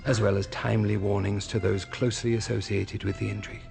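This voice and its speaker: A man's voice: on the low side, flat delivery, fast talker, gravelly, over music. An actor playing a stern middle-aged crown prosecutor and father, commanding and clipped, in a radio drama.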